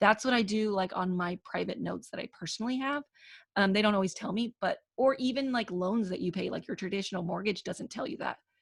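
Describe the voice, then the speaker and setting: A woman talks very fast in a somewhat breathy voice. The sound is dry and close, with no echo. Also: medium pitch for a woman, ordinary pitch variation. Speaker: QuickBooks trainer. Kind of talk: live tutorial webinar. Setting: live video stream. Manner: casual, filler-heavy.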